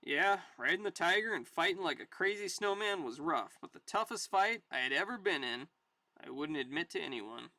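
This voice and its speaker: Someone reading as a battle-hardened army sergeant, bright voice. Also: mid-range voice, lively intonation, normal speed, dry recording. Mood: tough, wry. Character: tough weary army sergeant, gruff battle-hardened narrator. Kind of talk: dramatic comic book read-aloud.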